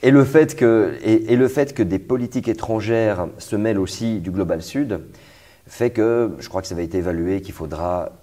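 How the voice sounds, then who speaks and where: A man's voice: fairly low pitch, normal speed, dark tone. A young man hosting an interview, talking casually with fillers and restarts. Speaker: host.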